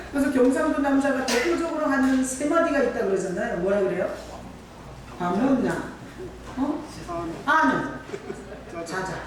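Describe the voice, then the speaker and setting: A woman's voice: fairly high pitch, darkish tone, slight background noise. Woman pastor, conversational sermon, miked from a distance in an echoey church. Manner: conversational, asks the congregation questions. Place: church sanctuary. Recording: echoey church hall from far off.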